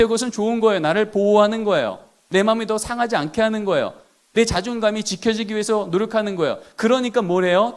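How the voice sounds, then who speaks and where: A man giving a church seminar for teachers and parents, asking the audience questions and answering them himself. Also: high-pitched. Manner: acts out quoted lines of children and adults. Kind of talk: lively lecture with questions to the audience.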